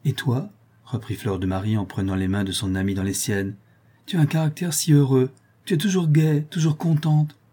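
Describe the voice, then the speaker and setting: A man reading an audiobook aloud, voicing a shy, gentle young woman who speaks hesitantly. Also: mid-range voice, steady tone, moderate pace, breathy edge, lightly acted. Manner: timid, hesitant, soft.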